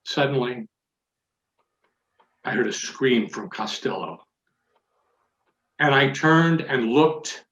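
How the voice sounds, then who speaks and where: Slow, theatrical man in an echoey room. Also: medium pitch, animated, fairly bright tone. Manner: dramatic pauses, deliberate phrasing, mock-serious delivery. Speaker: Toastmasters contest speaker telling a tall tale. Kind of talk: theatrical comic storytelling speech. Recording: echoey room, dull muffled audio.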